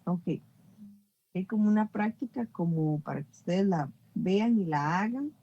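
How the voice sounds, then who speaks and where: A woman's voice: fairly low pitch, lively intonation, unhurried, warm tone, highs cut off. Patient woman teaching English. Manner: patient, checks understanding with frequent "verdad". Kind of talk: online class explanation.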